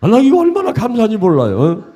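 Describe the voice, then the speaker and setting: A middle-aged male pastor preaching a sermon in a folksy, animated way, acting out little dialogues. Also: high voice, quick pace.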